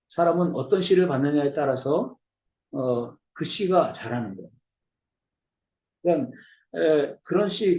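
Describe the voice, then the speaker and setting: A man delivering a sermon with a slightly raised pitch and a mellow, dark tone. He preaches conversationally, often turning to the congregation with quick questions. The sound carries the echo of a reverberant church room. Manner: conversational preaching, checks in with listeners. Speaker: missionary preacher. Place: church hall.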